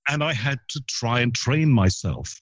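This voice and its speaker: A middle-aged radio broadcaster from Liverpool with a trained neutral English accent tells long, rambling stories with plenty of asides in a guest interview. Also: male voice, medium pitch, animated, normal speed, no room sound. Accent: neutral southern English broadcast accent. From Liverpool, England. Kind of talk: anecdotal interview storytelling.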